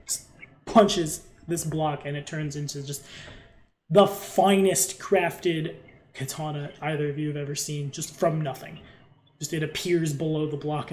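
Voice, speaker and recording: Male game master, fairly high voice, halting informal narration, descriptive. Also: a little mellow. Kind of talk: improvised tabletop game narration.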